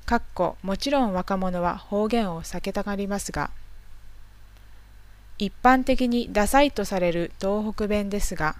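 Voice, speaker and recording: A woman narrates a language lesson in a calm, explanatory manner. She takes her time and sets each point out slowly and deliberately. Her voice sounds close and dry, with no room around it. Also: mid-range voice, dry recording. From Tohoku, Japan. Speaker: language teacher.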